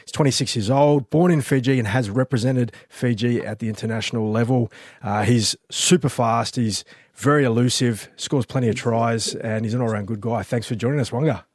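A man co-hosts a sports podcast in a casual, chatty way, slipping in fillers as he goes. His voice is of middling pitch. The sound is dry and close, with no room in it. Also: brisk, darkish tone, no echo. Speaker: podcast co-host. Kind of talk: casual sports chat and interviewing.

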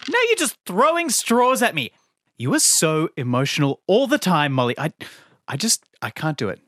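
A man co-hosting a children's podcast, playing a scripted comic quarrel, swinging between sulky and shouty. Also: fairly high pitch, big pitch swings, moderate pace, no echo, clean studio sound. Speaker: podcast co-host.

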